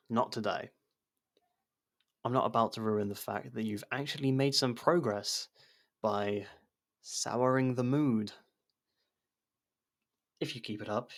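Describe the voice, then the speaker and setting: A man playing an abrasive but protective murderer turned investigation partner in an intimate ASMR audio drama, speaking in a halting, guarded way. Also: fairly low pitch, a bit bright. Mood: guarded, wry.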